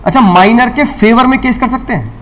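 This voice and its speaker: A man's voice: extremely high pitch, a little fast. A man teaching law to a class. He asks questions and answers them himself, repeats key lines and slips English legal terms into his Hindi. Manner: scolds and teases students. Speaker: law lecturer. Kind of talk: classroom lecture.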